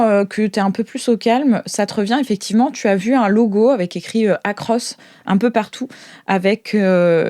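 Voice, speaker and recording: A woman's voice: medium pitch, warm tone, no room sound, clean studio sound. A woman running an improvised tabletop game as game master, narrating hesitantly as she makes things up.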